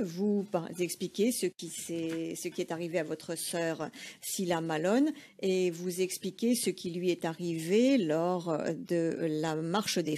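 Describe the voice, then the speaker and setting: Une femme interprète de tribunal, qui traduit en simultané avec un débit mesuré et des hésitations fréquentes. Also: female voice, fairly low pitch, a little mellow, slight background noise. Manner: measured, hesitant with frequent fillers. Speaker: courtroom interpreter.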